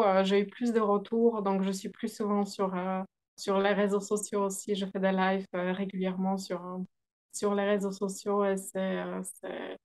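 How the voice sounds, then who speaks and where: A woman whose first language is not French, a business coach answering interview questions with frequent fillers and hesitations. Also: mid-range voice. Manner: hesitant, many fillers, laughs often.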